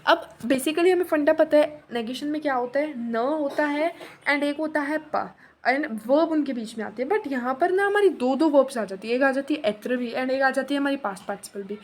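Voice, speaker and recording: A woman's voice: high-pitched, moderate pace. A young woman teaching a French grammar lesson online, explaining step by step, mixing in English phrases and answering her own questions.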